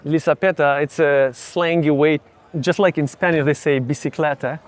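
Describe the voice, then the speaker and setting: A young man with a Ukrainian accent, vlogging outdoors while walking city streets, chatting casually and slowly explaining English words. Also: on the high side, fairly even intonation. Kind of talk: casual travel vlog with teaching asides.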